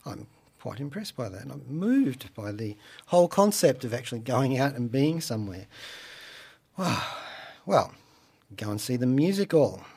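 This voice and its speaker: A man hosting a radio show, chatting about pop culture in a wry, playful way with theatrical asides and deliberate phrasing. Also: medium pitch, big pitch swings, creaky, darkish tone, breathy edge. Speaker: radio show host and reviewer. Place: radio studio.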